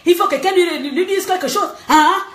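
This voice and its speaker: A woman vlogger rants angrily to the camera at home, scolding her critics and laughing between jabs. Her very high-pitched, slightly bright voice comes fast, and the room sounds echoey.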